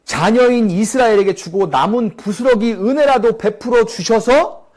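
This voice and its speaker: Pleading foreign mother in a sermon retelling, played by a man preacher, high and imploring. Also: moderate pace, darkish tone, natural voice. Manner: earnest, imploring. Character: pleading foreign woman begging for her daughter.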